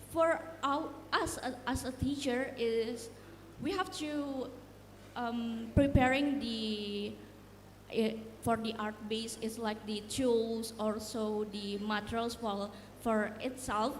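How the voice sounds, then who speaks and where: A woman with an Indonesian accent talks at a very slow pace and a fairly high pitch, leaving long, frequent pauses, with audible room echo and noticeable background noise. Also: ordinary pitch variation. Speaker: student asking a question. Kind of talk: conference Q&A question. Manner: halting.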